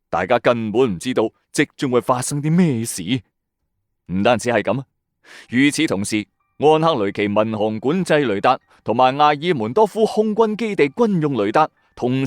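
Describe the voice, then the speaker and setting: Male Cantonese narrator from a Hong Kong late-night mystery show: lively swooping delivery, dry close sound, music underneath. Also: mid-range voice, no echo. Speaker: storyteller host of a mystery radio channel. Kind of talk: dramatic scripted mystery narration.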